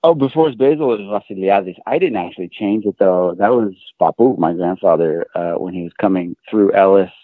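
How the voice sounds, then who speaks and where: Low-voiced American man on a tinny line. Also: a little fast, few pauses, dry recording. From Maryland, USA. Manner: rambling, profane, self-deprecating. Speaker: comedian guest. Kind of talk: casual anecdotal chat. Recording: narrow tinny phone-like line, dry.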